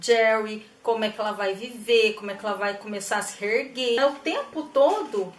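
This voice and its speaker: A chatty woman explains writing in a relaxed, thinking-aloud way, full of little fillers. Her voice sits somewhat high. She sounds set back from the mic in an echoey room. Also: normal speed, far from the mic. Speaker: writer giving writing tips. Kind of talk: casual explanatory vlog.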